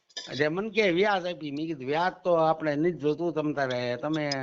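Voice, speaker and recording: The man has an unremarkable speaking voice with a fairly high pitch. His pitch varies in an ordinary way. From Gujarat, Saurashtra (Bhavnagar district). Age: 50s. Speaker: caller seeking help recovering a loan. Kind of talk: phone call. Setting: phone call.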